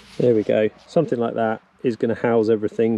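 Someone with a British accent speaks at a fairly quick pace. The sound is dry with no echo, over light background noise. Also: man. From United Kingdom. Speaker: former Royal Marine and bushcraft instructor. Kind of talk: gear tutorial. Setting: outdoors. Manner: casual with frequent fillers. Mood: relaxed, friendly. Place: forest. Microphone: phone near.

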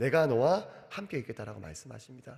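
Vocal fry marks this man's fairly quick speech. His pitch ranges very widely. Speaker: pastor. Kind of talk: sermon.

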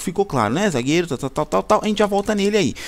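The man talks with a high pitch. His voice swings through a very wide pitch range. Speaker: gaming youtuber. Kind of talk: tutorial. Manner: fast.

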